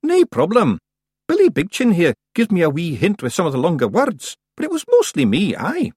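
A boastful little Scottish fairy clansman for a storybook. The voice is pitched high and swings widely, with an emphatic, blustering, rambling delivery in a dry, close recording. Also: wildly swooping pitch, moderate pace, darkish tone, breathy edge, dry recording, full character voice. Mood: proud. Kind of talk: acted storybook dialogue.

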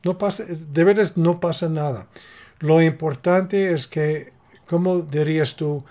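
A middle-aged man talks in an unhurried, measured way, laying out his points one by one. His voice sits a little high for a man. He sounds like a co-host giving advice in a relaxed conversation. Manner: calm, explanatory, acts out little example dialogues. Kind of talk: casual conversation.

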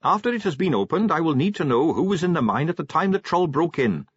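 A young, upbeat watch captain who stays courteous but will not be moved, as a male narrator puts him on. He speaks higher than the narrator and with lively pitch swings, through a slightly husky voice. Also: moderate pace, dry recording, highs cut off, full character voice. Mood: firm. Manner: polite, cheerful, firm.

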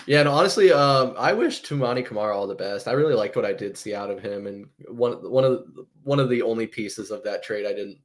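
Brief: male co-host, low voice, rambling casual sports talk, swears freely. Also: animated, fast, few pauses. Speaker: podcast co-host.

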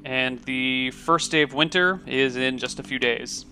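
An American man hosts a tabletop game on a stream, chatting casually and filling pauses with ums. His voice is bright and forward at an everyday middle pitch. Soft music plays faintly underneath. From United States. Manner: relaxed, chatty, thinks aloud with ums. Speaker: game master. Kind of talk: livestreamed tabletop game chat.

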